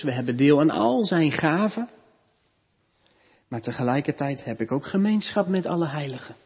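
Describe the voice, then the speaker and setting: A man delivers a sermon with an earnest, teaching manner, his somewhat high voice a little husky. He lifts his voice to stress key points and lets phrases sink quietly. The sound is dull and lo-fi, with a long church reverb behind it. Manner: earnest teaching, rising emphatic on key points, dropping soft at ends. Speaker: preacher.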